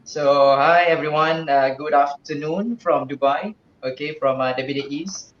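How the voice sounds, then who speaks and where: A man's voice: on the high side, fairly even intonation, a little slow, a bit bright. A man from Malaysia, a chef guest, chatting casually over a remote video call with many fillers. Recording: echoey far-off lo-fi call audio with faint background noise.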